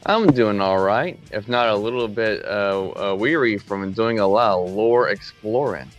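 Male co-host, low-pitched, laid-back and offhand, light music bed. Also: a little slow. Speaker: podcast co-host. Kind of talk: casual chat.

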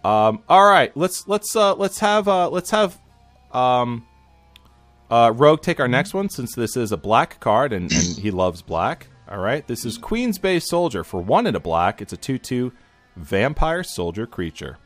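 A man hosting a casual podcast chat, reading game cards aloud in an animated way with plenty of fillers and restarts. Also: medium pitch, dry recording, soft background music. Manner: animated, halting with frequent fillers. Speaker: podcast host.

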